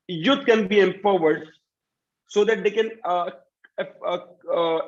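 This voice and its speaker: A man's voice: high voice, dull audio. A man in his thirties with an Indian English accent, an earnest communication trainer who keeps saying "you know, uh" and restarts his sentences, heard over a video call. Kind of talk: motivational talk to students.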